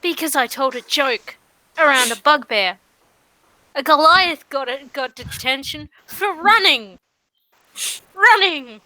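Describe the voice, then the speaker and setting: A woman voicing an aggrieved teenage adventuring-school student in a tabletop game, complaining earnestly and haltingly. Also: sits high, sharp tone, no echo, poor audio. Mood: indignant.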